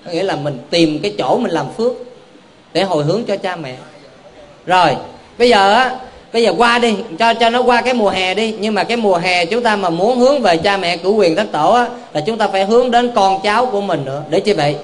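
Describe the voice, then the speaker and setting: A man's voice: sits high, fairly quick. A male Buddhist monk gives a folksy, joking dharma talk, constantly tossing questions back to a live audience in a temple hall. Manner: keeps quizzing the audience with call-and-response questions; homely, joking, folksy preaching.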